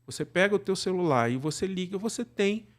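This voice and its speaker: A man's voice: high-pitched, expressive, fairly quick. A middle-aged man with a Brazilian accent chatting casually as a podcast guest, rambling and often checking in with little tag questions. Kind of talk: casual conversation.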